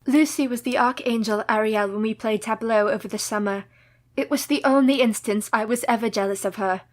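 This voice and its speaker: A woman's voice: fairly high pitch, a little fast, close to an everyday voice. A woman playing a grave, resolute young wife. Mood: doubtful. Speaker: actress in radio play. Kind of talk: community radio play acting.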